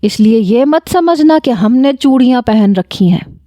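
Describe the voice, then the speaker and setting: A woman's voice: on the high side, expressive, warm tone, dry recording, pitched above the performer's own voice, lightly acted. A woman voicing a hot-tempered older father who scolds and commands. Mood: scolding.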